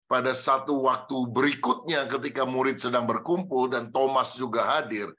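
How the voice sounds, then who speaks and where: A male pastor preaching with a bright, forceful voice and lively delivery. He speaks straight to his congregation and acts out the quotes in his stories. The recording sounds dull and lo-fi. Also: medium pitch, normal speed. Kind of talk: sermon. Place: church.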